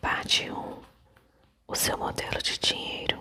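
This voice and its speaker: Whispering in a calm tone, a woman speaks at a fairly slow pace over noticeable background noise. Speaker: ASMR audiobook reader. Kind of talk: ASMR book reading, self-help. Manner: soft-spoken, whispered, calm.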